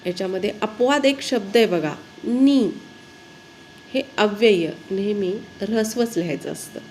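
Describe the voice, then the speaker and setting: A woman teacher, giving a spelling lesson slowly and often asking her pupils questions. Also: mid-range voice, a little mellow, a little hiss or hum.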